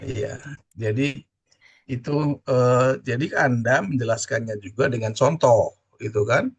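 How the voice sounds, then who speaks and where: A middle-aged man from Java, giving an online class lecture and explaining slowly, with a "ya" tagged onto nearly every point. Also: medium pitch, husky. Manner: drawn-out explaining with constant "ya" tag questions. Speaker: university lecturer.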